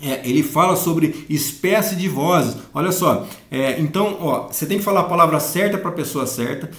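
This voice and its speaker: A man with a Brazilian Portuguese accent teaching a Sunday school Bible lesson, reading verses slowly and then explaining them. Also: fairly high pitch, fairly bright tone, reverberant. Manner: explanatory, reads scripture slowly then comments.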